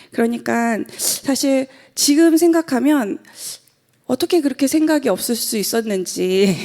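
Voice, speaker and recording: A woman's voice: on the high side, darkish tone. A woman in her forties, a pastor's wife, giving an earnest church testimony from the pulpit with many hesitant fillers. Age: 40s.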